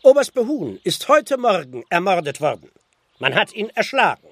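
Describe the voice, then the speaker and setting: High-pitched, brusque police constable. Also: male voice, very animated, moderate pace, fairly bright tone, slightly rough, no echo, heavily acted. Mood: pressing. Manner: officious, brusque questioning. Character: stern, impatient village police constable, male. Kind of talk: German radio play acting.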